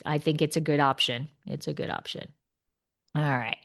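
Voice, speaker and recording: A woman with a New Jersey accent hosting a casual podcast chat, reading reviews aloud in a halting way and laughing often. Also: deep voice, fairly even intonation, creaky. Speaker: podcast host.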